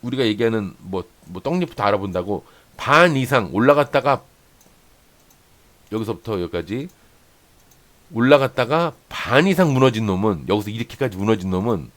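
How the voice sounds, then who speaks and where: Fairly low in pitch but bright-toned with lively intonation, a man speaks at a moderate pace while hosting a stock trading channel. In this chart-analysis lesson for day traders he gestures along the chart with many "here" and "this much" remarks, repeats himself for emphasis, and frequently checks in with "right?"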